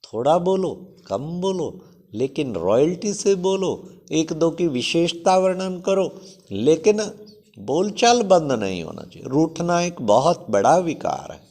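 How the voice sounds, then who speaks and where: A man's voice: a little high, very animated, slow pace, a little mellow. A man giving a conversational devotional talk with rhetorical asides to his listeners. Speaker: spiritual speaker. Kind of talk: devotional talk on the day's teaching.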